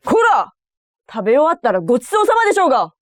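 A woman playing a stern, indignant scolding parent in a comic lesson sketch, with exaggerated, rapid-fire delivery. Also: high voice, big pitch swings, no room sound, studio quality.

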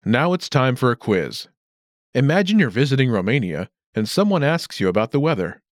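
A man narrating a scripted language lesson as an instructor, enunciating clearly and deliberately. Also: mid-range voice, sing-song, no room sound, studio quality.

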